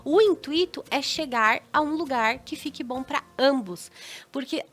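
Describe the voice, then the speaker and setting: Brazilian woman guest adviser, bright and sharp, instructive manner, acts out dialogue. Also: high-pitched, unhurried, soft background music. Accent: Brazilian Portuguese. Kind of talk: advice talk on a TV show.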